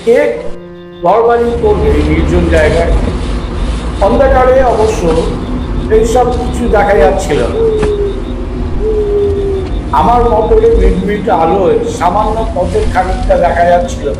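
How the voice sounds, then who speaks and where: A man's voice: high voice, a little slow, long pauses, noisy background. A man reading a scripted horror story as its narrator. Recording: roomy echo under loud music. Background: background music.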